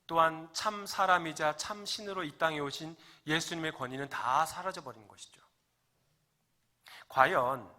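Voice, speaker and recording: A man's voice: fairly high pitch, pushed and bright. A man preaching a Sunday sermon as pastor in a church sanctuary, talking conversationally, asking the congregation questions and joking with them.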